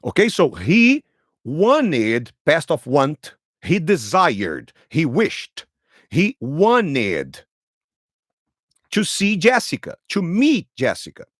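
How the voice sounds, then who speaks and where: A man in his thirties with a Brazilian Portuguese accent, a native Portuguese speaker, tells his own story slowly as an English lesson, repeating and rephrasing each sentence for learners. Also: on the high side, wildly swooping pitch, no echo, studio quality. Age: 30s.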